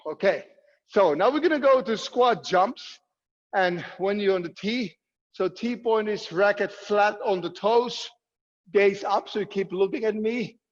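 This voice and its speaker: A man's voice: high-pitched, measured pace. A man coaching a fitness workout, giving instructions and calling out drills in short commands with encouragement. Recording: muffled, echoey hall sound.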